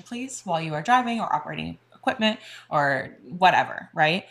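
Low, creaky-voiced woman podcast host. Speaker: podcast host and energy healer. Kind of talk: casual, encouraging podcast talk to listeners.

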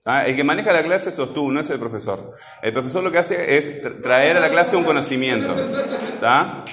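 A man's voice: on the high side, expressive, normal speed, fairly bright tone. A man teaching a classroom lesson, asking the class patient questions and checking in with "¿tá?", wearing a face mask. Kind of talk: classroom lesson on word stress. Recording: echoey classroom with long reverb.

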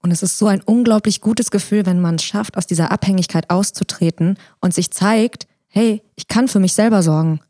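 A woman's voice: mid-range voice, a little fast, few pauses, warm tone, dry recording, studio quality. A woman in a casual podcast talk who agrees and adds upbeat remarks.

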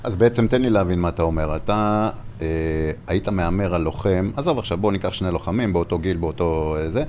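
Low-voiced male podcast host. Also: darkish tone, a little hiss or hum. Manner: conversational, probing questions with fillers. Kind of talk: casual interview talk.

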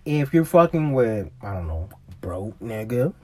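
Blunt, husky-voiced man cursing freely. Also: on the low side, big pitch swings, measured pace. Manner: blunt and profane. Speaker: podcast co-host. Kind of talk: crude casual chat.

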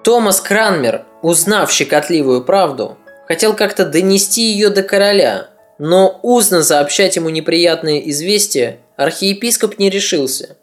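Brief: podcast history narrator, measured, wry asides, mid pitch, soft music bed. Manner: measured storytelling with ironic asides.

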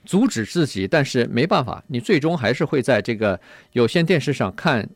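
A man co-hosting a radio talk show, calmly passing on points from an article and agreeing with his partner. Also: medium pitch, moderate pace, no room sound. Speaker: radio co-host. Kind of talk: casual radio discussion.

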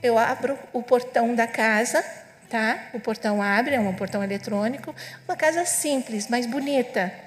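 A woman at a church meeting telling a dream she had, in a vivid, halting storytelling way with many restarts. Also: fairly high pitch. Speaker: church member. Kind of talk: sharing a dream testimony. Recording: echoey hall with long reverb.

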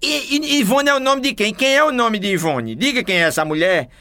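A jealous wife fires off suspicious questions in a high, sharp voice, as a man puts her on. The tone is bright and demanding. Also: expressive, brisk, no room sound, full character voice.

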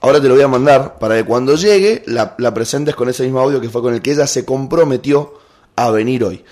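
A man with an Argentine accent co-hosting a casual live show, telling stories in an animated, joking way. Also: medium pitch, brisk. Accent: Argentine Spanish. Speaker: co-host. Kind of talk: casual live-stream chat. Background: music playing.

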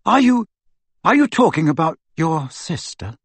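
Storybook schoolgirl witch done by a male narrator: earnest, timid, breathy, pitched up. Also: sing-song, a little slow, dry recording, full character voice. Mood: breathless concern.

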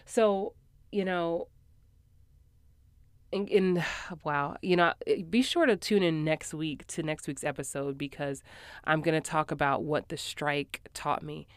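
A woman's voice: low-pitched, steady tone, slow pace, smooth, no room sound, studio quality. A woman hosting her podcast in casual chat, a little stuffy from a cold, upbeat with lots of fillers. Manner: chatty, upbeat, many fillers. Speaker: podcast host, actor coach. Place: small home voiceover booth in a former closet.

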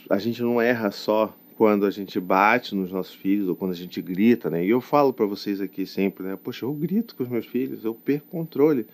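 A man with a fairly low voice and a Brazilian Portuguese accent records himself as a father sharing a confessional vlog. He talks in a reflective, hesitant way and keeps checking in with little tag questions. It is self-recorded to camera. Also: darkish tone. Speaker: father of young children. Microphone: talking to camera, self-recorded.

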